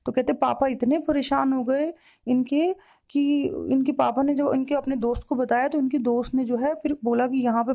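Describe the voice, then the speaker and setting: A woman with a fairly high, mellow voice retells a client's story as a spiritual counselor. She speaks in long runs of reported speech and comes back to the same phrases again and again with emotional weight.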